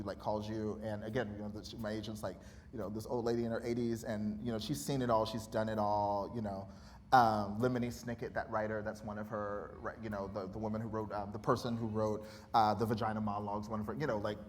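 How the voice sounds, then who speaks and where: A man in his thirties, an author guest in a live interview, talking candidly and animatedly, laughing often and acting out remembered conversations. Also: fairly low pitch. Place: college auditorium. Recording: reverberant hall with faint noise.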